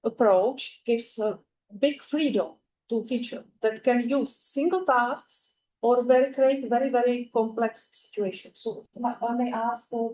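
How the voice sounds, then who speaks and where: A woman with a Czech accent, a native Czech speaker, giving an academic conference talk in English, with many "uh" pauses and careful phrasing. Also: on the high side, dark tone, slight background noise, low-quality recording. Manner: frequent "uh" fillers, careful non-native phrasing. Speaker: conference presenter.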